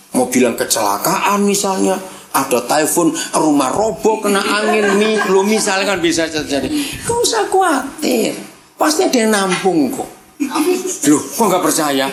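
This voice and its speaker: A woman's voice: medium pitch, very animated, moderate pace. A woman preaching a sermon to a live congregation, teasing and acting out family quarrels with a laugh in her voice. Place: church hall with congregation. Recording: echoey hall with audience responding. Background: congregation answering.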